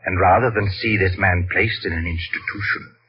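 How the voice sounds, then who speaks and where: An actor playing an eerie, sorrowful white-bearded old man in a halting, ominous manner, in 1940s radio mystery style. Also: sits low, natural voice. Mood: grave, sorrowful. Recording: dull, noisy vintage radio recording.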